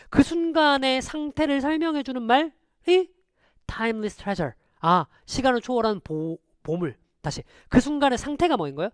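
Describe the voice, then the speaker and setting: A man's voice: high voice, no echo. Guy lecturing a class online, voice jumps up and down a lot, dry close sound, keeps asking "got it?". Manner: lively, quizzing students with quick rhetorical questions; switches between polite and casual speech. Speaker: English teacher.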